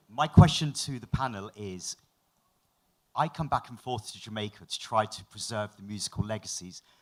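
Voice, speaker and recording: With an English accent, a man speaks at a fairly quick pace and fairly low pitch, with ordinary pitch variation. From England. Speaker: audience member, YouTuber. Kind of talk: audience question.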